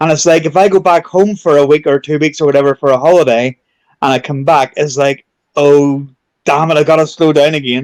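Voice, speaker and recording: With a strong Northern Irish accent, the speaker talks at a fairly quick pace with fairly even intonation, in a dry, close sound with no echo. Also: man, fairly high pitch for a man. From Northern Ireland, Belfast. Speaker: podcast host, paranormal investigator. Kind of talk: casual interview chat.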